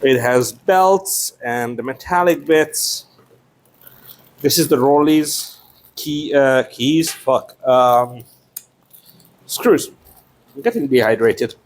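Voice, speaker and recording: A man chatting casually and unscripted as he unboxes a product, with playful, sweary asides. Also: medium pitch.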